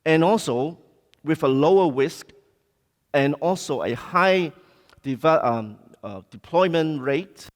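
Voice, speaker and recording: A man's voice: fairly high pitch, animated. Hong Kong man speaking in an echoey hall. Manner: halting, informal, non-native English phrasing. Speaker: conference speaker. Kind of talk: conference presentation. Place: conference hall. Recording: echoey hall, long reverb.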